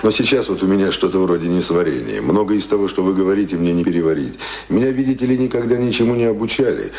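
An actor playing a rough, earnest, uneducated young sailor in a radio drama, speaking plainly and colloquially. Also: male voice, low-pitched, animated, quick pace, a little mellow. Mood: earnest, candid. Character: rough, eager, uneducated twenty-year-old sailor, strong and earnest. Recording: studio radio play.

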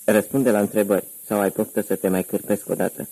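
A man's voice: on the low side, husky, no echo, low-quality recording. Man playing a cold, menacing gangster. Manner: calm, quietly threatening. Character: menacing middle-aged male gangster, cold interrogator.

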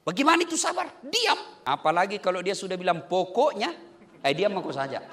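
High, lively, bright-voiced male preacher. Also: fairly quick, slight background noise. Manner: joking, lively delivery with playful asides to the congregation. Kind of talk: humorous sermon on marriage.

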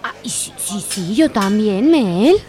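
A woman's voice: mid-range voice, lively intonation, slow, warm tone, faint music behind. A woman playing a gushing, lovestruck bar regular in an amateur radio soap comedy. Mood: lovestruck, concerned.

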